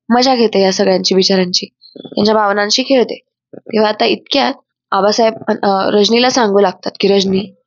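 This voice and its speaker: A woman's voice: mid-range voice, no echo. A woman narrating a dramatic serial episode recap in an emphatic voice-over. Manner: emphatic storytelling. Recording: dull, dry voice-over.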